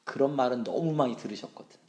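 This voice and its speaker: A man in his thirties, a junior pastor teaching a Bible study, animated and joking about himself. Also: quick pace, echoey room. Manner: animated, acts out scolding and quoted voices with big pitch jumps; humorous, self-deprecating asides.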